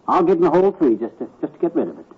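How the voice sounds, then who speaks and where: An actor playing a blustering, grumbling middle-aged husband in a vintage radio comedy. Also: male voice, on the high side, sing-song, racing. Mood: blustery. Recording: muffled vintage radio recording.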